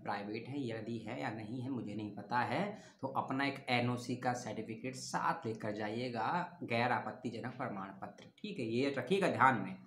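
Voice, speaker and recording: A man of middle pitch talks in a loose, chatty way, working through long lists and stopping to fix his own mistakes out loud. He calls his listeners brother. The room around him rings with a noticeable echo. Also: a little hiss or hum. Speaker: education channel host. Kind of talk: casual informational talk reading out lists. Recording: roomy echo.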